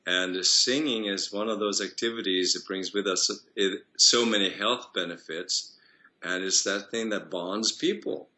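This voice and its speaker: A man's voice: low-pitched, a little slow, sharp tone. A man working as a voice and singing coach, answering interview questions in an earnest, flowing way.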